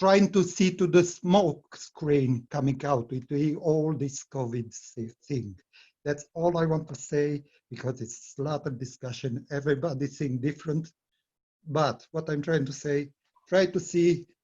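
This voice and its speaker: A man with a Romanian accent and a fairly high, somewhat breathy voice speaks at a fairly slow pace. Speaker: theatre professional. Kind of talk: panel discussion.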